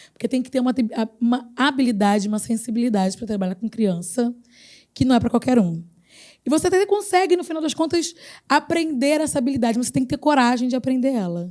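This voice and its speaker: Speaking very fast with a Rio de Janeiro accent, a woman uses a high pitch with very wide pitch swings. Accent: carioca. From Rio de Janeiro, Brazil. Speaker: psychologist and lecturer. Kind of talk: workshop talk.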